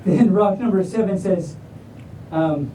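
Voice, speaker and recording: A mellow woman reads picture books aloud slowly to a live audience in a big convention room, captured by a distant mic with a roomy sound and faint rumble. She's playful and silly, wandering into self-deprecating asides.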